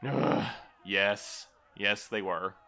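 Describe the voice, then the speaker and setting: A formal male office manager played by an actor with a lowish voice. He is wordy and a little flustered, picking careful phrases in an audio drama. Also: extremely slow, vocal fry, sharp tone, exaggerated voice. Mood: exasperated, formal. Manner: formal, hedging, bureaucratic.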